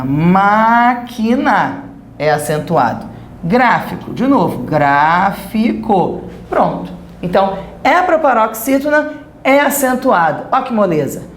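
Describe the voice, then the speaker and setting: A woman's voice: on the low side, roomy sound, a little hiss or hum. A woman with a Brazilian Portuguese accent, teaching a recorded grammar lesson and checking in with the class as she explains.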